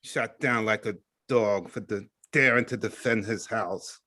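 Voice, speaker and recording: A man's voice: on the low side, unhurried, sharp tone, no room sound, clean studio sound. Man acting a grave, embittered older brother. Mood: bitter. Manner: grave, brooding. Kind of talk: stage play reading. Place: video call play reading.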